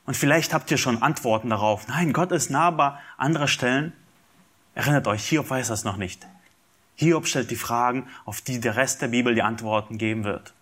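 A man's voice: medium pitch, moderate pace, a bit bright. Earnest male preacher explaining scripture. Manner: earnest, explains verse by verse, speaks to the congregation directly. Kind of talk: expository sermon on scripture.

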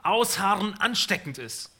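Bright-voiced man interpreting a sermon. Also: high voice, lively intonation, measured pace, husky. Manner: mirrors the preacher's delivery, stumbles and restarts. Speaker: church interpreter.

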